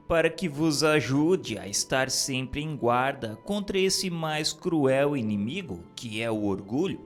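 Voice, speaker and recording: Male narrator, solemn scripted spiritual reading, unhurried delivery with lively intonation over background music. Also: medium pitch.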